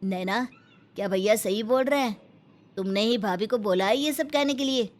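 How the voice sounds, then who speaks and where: A woman's voice: a little high, normal speed, lightly acted. A woman voicing a hot-tempered young husband. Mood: accusing. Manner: harsh, ordering.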